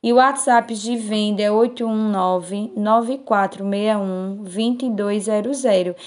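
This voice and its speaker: Slow-talking saleswoman with Pernambuco accent. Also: fairly even intonation, a little mellow. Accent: Pernambuco Portuguese. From Brazil. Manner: slow, sing-song sales pitch, affectionate. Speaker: fashion wholesale channel host. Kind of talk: promotional product showcase voice-over.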